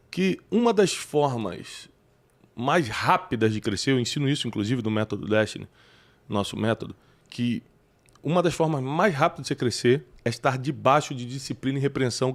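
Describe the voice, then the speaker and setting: A man hosting a talk show, animated and preachy, often bringing in scripture. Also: medium pitch, moderate pace. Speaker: podcast host. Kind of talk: casual chat.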